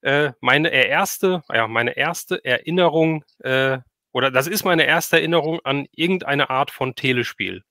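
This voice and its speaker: A man's voice: medium pitch, a little slow, hardly any pauses, bright, forceful tone, no room sound, studio quality. A middle-aged man, chatting casually and reminiscing as he hosts a livestream. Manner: reminiscing, conversational. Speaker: livestream host. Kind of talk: casual chat.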